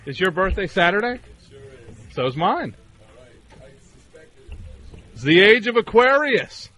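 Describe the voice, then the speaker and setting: A man in his forties hosting a call-in radio show, teasing a caller with mock indignation and a deadpan delivery. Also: high voice, slow, low-quality recording. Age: 40s. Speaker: radio host. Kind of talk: sarcastic call-in radio banter. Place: radio studio.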